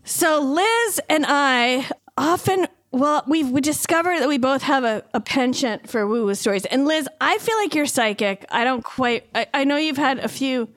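A woman hosting a podcast in loose, casual conversation. Her voice sits fairly high, and she laughs often while her sentences ramble and restart. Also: lively intonation, moderate pace, fairly bright tone. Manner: giggly, rambling, self-interrupting. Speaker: podcast co-host. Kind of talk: casual chat.

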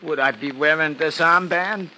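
An actor playing an anxious, weepy, lowbrow New York florist in a 1950s radio drama, talking in slangy, ungrammatical street talk. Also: male voice, normal speed, noisy background, close to an everyday voice. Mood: tearful, glum. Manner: slangy tough-guy street talk with mangled grammar.

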